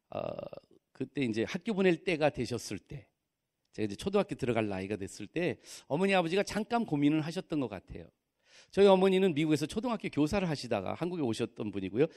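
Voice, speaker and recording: A man's voice: on the high side, very animated, fairly quick, darkish tone. A man in his fifties from Korea, preaching a sermon in a humorous, conversational way and acting out other people's voices. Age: 50s. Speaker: pastor. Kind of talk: sermon storytelling. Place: church.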